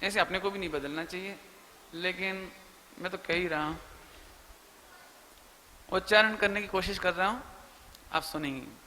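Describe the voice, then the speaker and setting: A man's voice: sits high, fairly even intonation, moderate pace, long pauses, pushed and bright, big-room sound, slight background noise. A man giving a religious question-and-answer talk as a Jain preacher, explaining patiently and drawing out chanted syllables. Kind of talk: religious Q&A discourse.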